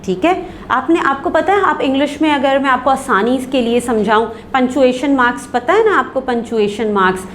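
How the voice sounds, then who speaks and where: A woman teacher with a Pakistani Urdu accent giving an online class lesson, explaining slowly and reading examples aloud with stretched words. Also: high-pitched, a bit bright, slight background noise.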